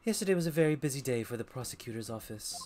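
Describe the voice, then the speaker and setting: A man's voice: mid-range voice, lively intonation, racing, darkish tone, slight background noise, lightly acted. A man voicing an eager teenage girl in a raised, perky voice.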